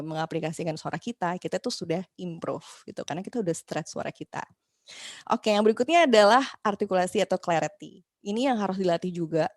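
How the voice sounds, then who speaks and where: A woman teaching an online voice workshop in a chatty, lively way, talking to listeners as friends and acting out quoted complaints. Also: medium pitch, dry recording, clean studio sound. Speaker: voice and podcasting workshop instructor. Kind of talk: casual online class teaching.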